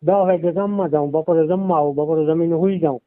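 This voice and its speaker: Man in his 60s, Saurashtra Gujarati accent, somewhat high-pitched, brief matter-of-fact replies over a narrow phone connection. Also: steady tone, fast, no room sound. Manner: terse, plain, gives short agreeing answers. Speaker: caller, husband in a domestic dispute. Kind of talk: casual phone conversation. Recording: tinny, narrow phone-call audio.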